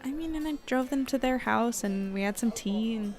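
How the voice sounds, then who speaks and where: An actress playing an earnest, slightly uncertain newspaper reporter, talking in a natural, conversational way. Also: female voice, a little high, moderate pace, a little mellow, faint music behind, natural voice. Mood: casual, guarded. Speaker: young reporter. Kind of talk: naturalistic audio drama acting.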